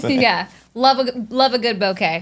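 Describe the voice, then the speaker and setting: A plain, everyday voice at a fairly slow pace, with ordinary pitch variation. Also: woman. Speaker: podcast host. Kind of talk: podcast interview host.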